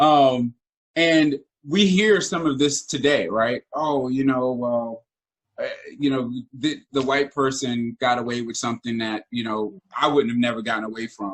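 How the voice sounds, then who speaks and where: In an unremarkable speaking voice, a man talks at a fairly slow pace with medium pitch. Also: ordinary pitch variation. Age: 30s. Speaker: podcast host. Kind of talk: casual chat.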